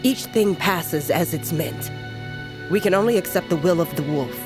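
An actress playing an old tribal seer, calm, fatalistic and measured, in a fantasy audio drama. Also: female voice, fairly low pitch, natural voice. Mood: solemn, steady. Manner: solemn, measured, cryptic. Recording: music underneath.

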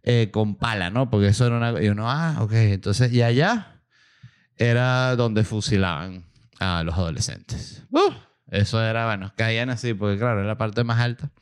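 Man, smooth clear voice, casual storytelling, animated quoted voices, small studio. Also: normal speed. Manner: animated, acts out quoted voices with big pitch jumps. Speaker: podcast host. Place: small home studio room.

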